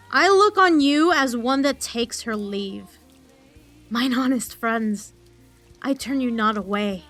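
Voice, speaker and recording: A woman's voice: sits high, a bit bright. A woman acting a weary, honour-bound military leader in a Shakespearean audio drama, with stately, declamatory delivery.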